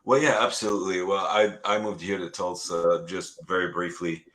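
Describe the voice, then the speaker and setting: Deep-voiced man from Lebanon. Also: steady tone, a bit bright. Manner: earnest, halting, with many restarts and fillers. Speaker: real estate agent, guest. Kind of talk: casual interview talk.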